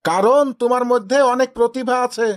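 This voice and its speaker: A man's voice: very high voice, fairly even intonation, brisk. A man with a Rajshahi Bangladeshi accent playing a wily, bantering village father-in-law in a comedy cartoon. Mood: teasing. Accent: Rajshahi Bangladeshi Bengali. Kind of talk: amateur cartoon comedy dialogue.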